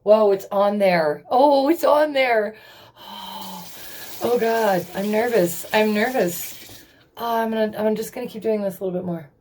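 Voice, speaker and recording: A woman's voice: mid-range voice, fairly even intonation, moderate pace, darkish tone, slight background noise. A young woman vlogging casually, rambling and giggling nervously as she talks to the camera, swearing often. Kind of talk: casual beauty vlog.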